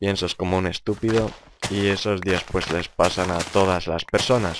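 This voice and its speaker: Fairly low in pitch, a man talks at a fairly slow pace. His intonation is monotone and flat. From Lithuania. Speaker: gaming youtuber. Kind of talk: gameplay commentary.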